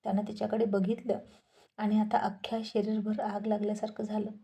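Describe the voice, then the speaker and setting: A woman storyteller narrating a romantic serial story in a calm, measured way. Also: medium pitch, creaky.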